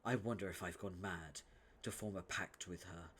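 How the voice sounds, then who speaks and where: Man doing a stiff, pompous troll noble; low, whispery, overly formal. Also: normal speed, a little hiss or hum. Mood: brooding. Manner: formal, pompous diction, hushed breathy delivery. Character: stiff, haughty young male troll noble.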